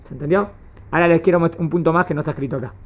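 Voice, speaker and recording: A woman's voice: low voice, racing. Fields: Sex: woman. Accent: Rioplatense. Role: teacher. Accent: Rioplatense Spanish. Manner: questioning, checks understanding often. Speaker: religious studies teacher. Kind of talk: classroom lecture.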